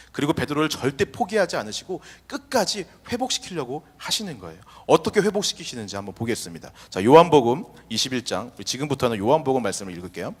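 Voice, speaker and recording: A young male pastor preaches with a lively, swooping voice, leaning into the imagined quotes he acts out. His words trail into a long reverb from the church hall around him. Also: mid-range voice, slightly rough. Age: young adult. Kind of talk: sermon. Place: church sanctuary.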